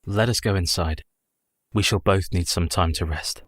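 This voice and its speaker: An actor in a radio play playing a nervous young husband, a former clerk, who speaks formally and is easily alarmed. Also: male voice, low voice, normal speed, dry recording, studio quality, soft background music. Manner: formal speech, prone to alarm.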